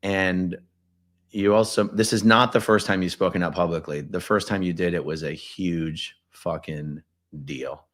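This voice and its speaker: A man in his forties hosting a casual interview, relaxed and conversational with wry asides, at a desk mic in a wood-paneled studio. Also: deep voice, a little slow. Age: 40s. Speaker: host.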